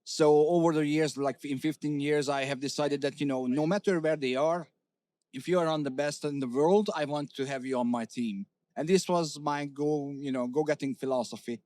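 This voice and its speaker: A man's voice: fairly high pitch, fairly even intonation, normal speed, a little mellow, dry recording. A middle-aged man from Hungary, a company CEO talking candidly in an interview, with many fillers and restarts. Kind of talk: casual interview talk.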